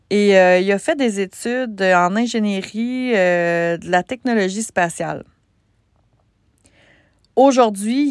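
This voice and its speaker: A woman with a Québécois French accent, a business coach hosting a solo podcast, talking conversationally with many pauses and restarts. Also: mid-range voice, no room sound, clean studio sound.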